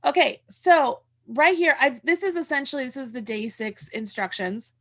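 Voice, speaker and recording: A middle-aged woman chats through a livestreamed craft tutorial. Her voice sits fairly high with plenty of fry. She rambles and thinks aloud in an informal way, talking over a video call from home. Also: moderate pace, fairly bright tone. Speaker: host of a crochet tutorial livestream. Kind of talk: casual livestream chat and instruction. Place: room at home. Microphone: video call from a desk.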